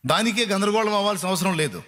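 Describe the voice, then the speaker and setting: A pastor preaching to his congregation in a colloquial, emphatic style, firing off repeated rhetorical questions and scolding gently. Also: high-pitched, quick pace. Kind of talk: sermon to a congregation.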